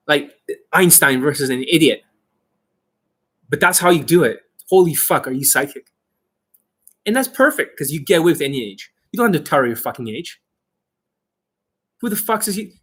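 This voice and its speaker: A man giving informal coaching to online viewers as their host, brash and boastful, with emphatic, sweary delivery and a slightly rough, husky voice. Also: a little high, fairly bright tone. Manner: acts out mock exchanges, emphatic.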